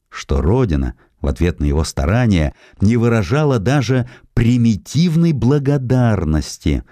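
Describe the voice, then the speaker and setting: Deep-voiced male narrator, richly inflected. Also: warm tone, no echo, studio quality. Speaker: audiobook narrator. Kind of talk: expressive scripted narration of historical essays.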